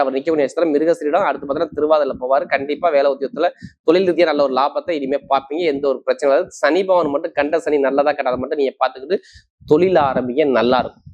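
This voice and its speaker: Fast, high-voiced man, emphatic astrologer. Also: a little mellow. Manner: emphatic, assuring, repeats key points. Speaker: astrologer, host. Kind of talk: astrology forecast addressed to viewers. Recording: slightly dull, lo-fi sound.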